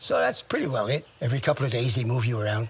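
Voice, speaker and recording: Very fast speech from a man at a medium pitch with ordinary pitch variation, over noticeable background noise. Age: 70s. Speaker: former pilot and convicted drug trafficker. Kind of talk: documentary interview testimony.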